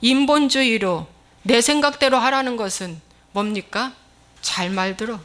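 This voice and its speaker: Woman pastor, sermon, emphatic, scolding, acts out quoted exchanges, somewhat high voice. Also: normal speed, fairly bright tone.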